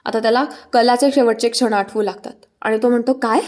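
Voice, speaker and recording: A woman's voice: on the high side, steady tone, fast, a little mellow. A woman casually recapping a TV serial episode, chatty, with fillers and restarts.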